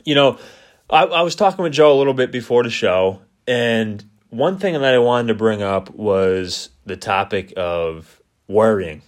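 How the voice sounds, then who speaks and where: A young man talking on a casual podcast with a fairly low voice. He speaks in a reflective, easygoing way and often fills with "you know". His talk turns to faith and letting things go. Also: a little slow. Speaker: podcast co-host. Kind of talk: casual chat.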